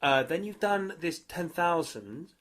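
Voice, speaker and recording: A man's voice: fairly high pitch, unhurried. A man hosting a casual podcast chat. His voice climbs and dips all over the place as he jumps between thoughts, and he swears freely as he pushes his guest with questions. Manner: lively, swearing, restless interviewer. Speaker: podcast host.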